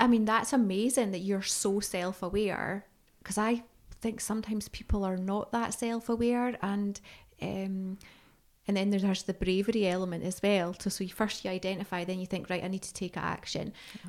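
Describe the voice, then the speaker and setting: With a Scottish accent, a woman speaks at a moderate pace and medium pitch, her intonation monotone and flat. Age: 40s. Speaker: podcast co-host. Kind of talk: casual chat. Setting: studio.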